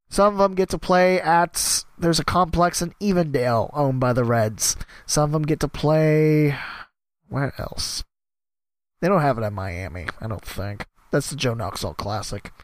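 A man's voice: a little high, measured pace, no room sound. A man hosting his own podcast, rambling casually and joking at his own expense, his voice worn from a cough. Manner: rambling, self-deprecating, jumps between topics. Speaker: podcast host and sports announcer. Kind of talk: casual solo podcast monologue.

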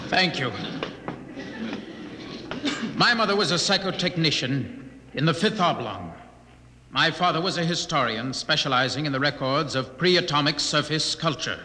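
An actor playing a defiant, bitter genetic outcast in an articulate, sardonic, earnest 1950s American radio drama style. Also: male voice, a little high, animated, normal speed, long pauses, background noise, lightly acted. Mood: earnest, pleading. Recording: vintage 1950 radio recording.

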